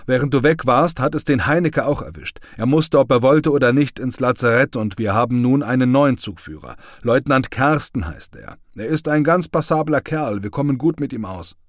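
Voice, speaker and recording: A man's voice: mid-range voice, animated, normal speed, few pauses, no room sound, studio quality, pitched above the performer's own voice, close to an everyday voice. A man reading the part of a friendly, talkative young male soldier. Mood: chatty. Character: chatty young male soldier, lance corporal.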